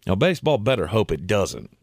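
Thirties male radio co-host, agreeable, lively delivery, dry studio sound. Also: fairly low pitch, a little fast, breathy edge, dry recording. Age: 30s. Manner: agreeable, backchanneling. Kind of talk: sports talk radio.

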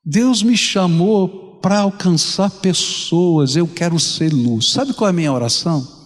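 A man's voice: high voice, a little slow. An older Brazilian man preaching a fervent sermon to his congregation, often asking them direct questions. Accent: Brazilian Portuguese. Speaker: pastor. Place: large church sanctuary. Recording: long reverb of a large church hall.

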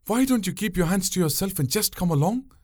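A man voicing a sharp-tongued young woman who steers a boat, teasing and bossy in a raised voice. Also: sits high, animated, fairly quick, dry recording, clean studio sound, voice pushed up. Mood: chiding.

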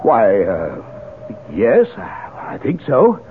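Tinny radio drama, a nervous evasive follower, halting, voice jumping around. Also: male voice, lowish voice, huge pitch swings, full character voice. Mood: anxious, evasive. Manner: flustered, halting. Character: anxious, evasive male cult follower under pressure. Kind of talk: 1970s radio drama acting. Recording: tinny, noisy 1970s radio recording.

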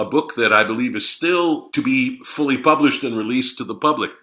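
A man with a low, bright voice hosts a morning radio show from the studio. He speaks in a measured, formal manner, filling pauses with frequent "uh"s as he introduces and questions a guest. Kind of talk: radio interview.

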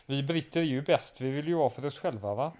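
A man's voice: medium pitch, darkish tone, natural voice. A man voicing a crude, boastful and patriotic British man who swears constantly. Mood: boorish.

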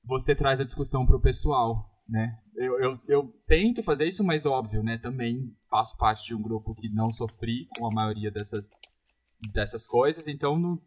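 Man, husky, mid-pitched, reflective, many restarts. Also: normal speed. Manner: thoughtful, restarts often, agrees and builds on points. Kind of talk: conversational discussion.

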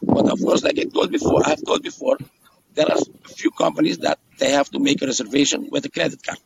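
In a low-quality recording with a little hiss or hum, a tour guide with an Aruban accent is interviewed. His voice is fairly high and creaky, a little fast, and he talks conversationally, repeating phrases and checking in with "yes?".

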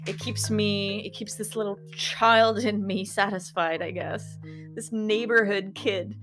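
A woman's voice: mid-range voice, fairly even intonation, a little slow, music in the background. A woman in her thirties from Kosovo with an American-influenced English accent, hosting a podcast in a rambling, chatty monologue full of asides to listeners. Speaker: podcast host. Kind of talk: casual reflective monologue.

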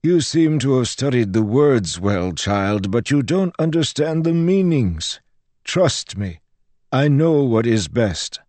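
A man's voice: mid-range voice, very animated, slow pace, darkish tone, no echo, pitched above the performer's own voice. A man voicing a crotchety old priest in an audiobook, weary, patronising and exasperated.

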